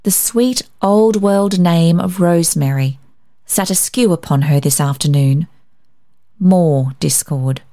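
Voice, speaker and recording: A woman narrating a story from a script in an expressive storybook style. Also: fairly low pitch, takes it slowly. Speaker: story reader.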